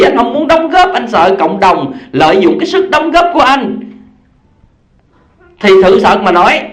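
A male Buddhist teacher giving a dharma talk, telling parables and asking his listeners questions. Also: high-pitched. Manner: storytelling, asks the audience questions.

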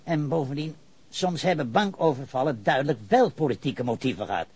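In a radio drama, a male actor plays an evasive, argumentative, pedantic witness who holds leftist ideals. His voice runs fairly high, expressive and brisk, somewhat mellow with a breathy edge, and his mood is earnest and argumentative.

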